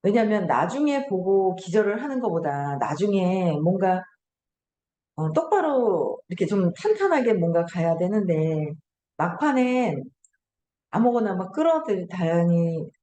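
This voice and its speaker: A woman's voice: fairly low pitch, very animated, measured pace, warm tone, echoey room. A middle-aged woman hosting a casual lecture, telling stories in a chatty way and laughing often. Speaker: host.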